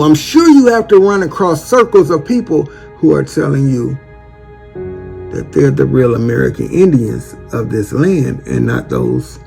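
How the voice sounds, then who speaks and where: Man, slow deliberate delivery, animated pitch, pointed direct address. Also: creaky. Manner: slow, deliberate, repeating for emphasis. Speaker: commentator addressing a public figure. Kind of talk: emphatic direct-address commentary.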